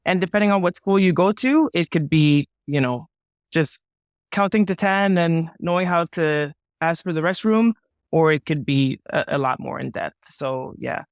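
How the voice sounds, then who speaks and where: A woman's voice: sits low, lively intonation, normal speed, no echo, studio quality. A woman in her forties from Montreal whose first language is French, chatting casually and easily as a guest. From Montreal, Canada. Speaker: guest pilot. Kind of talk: casual interview chat.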